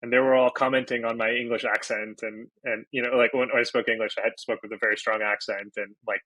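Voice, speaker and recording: Bright-voiced man thinking aloud. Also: mid-range voice, flat delivery, fast talker, no room sound, rough recording. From Brazil. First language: Portuguese. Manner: thinks aloud with many fillers and restarts. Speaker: guest. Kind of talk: casual interview talk.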